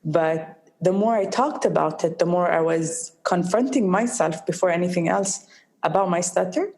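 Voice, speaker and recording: A young woman from the United Arab Emirates, a guest in an interview, speaking slowly and with a mild stutter and pauses. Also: fairly low pitch, darkish tone. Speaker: guest, social entrepreneur. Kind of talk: interview conversation.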